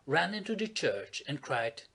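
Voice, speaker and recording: A man's voice: fairly high pitch, very animated, measured pace, gravelly, pushed and bright, breathy edge. A man narrating an old storybook tale as an audiobook, reading expressively.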